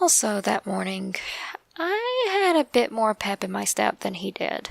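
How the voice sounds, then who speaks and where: This woman speaks with a Southern US accent. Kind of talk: dramatic reading of a personal ghost story. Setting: home recording with headset.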